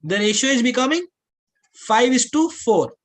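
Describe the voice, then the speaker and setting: This male aptitude teacher has an extremely high pitch with big swings, talking at a normal speed. In a step-by-step classroom lesson delivered with a South Asian accent, he repeats himself, blends Hindi into his English, and keeps quizzing students to see if they follow.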